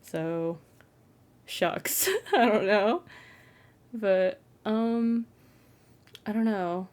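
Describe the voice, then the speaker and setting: A young trans man with a feminine-sounding, fairly flat voice, rambling self-consciously in a casual late-night vlog from his bedroom, full of "like" fillers. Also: sits high, extremely slow. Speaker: content creator.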